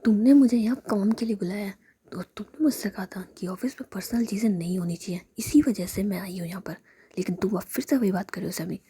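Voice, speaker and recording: A woman voicing a sharp-tongued, angry young female employee in a whispered role-play story. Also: medium pitch, fast, a little hiss or hum, natural voice. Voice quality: breathy whisper.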